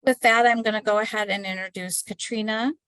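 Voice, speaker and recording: A woman hosting an online webinar, reading announcements and introducing the speaker in a steady, scripted way with small slips, over a computer mic on a video call. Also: medium pitch, fairly quick, no room sound, rough recording. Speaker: webinar host.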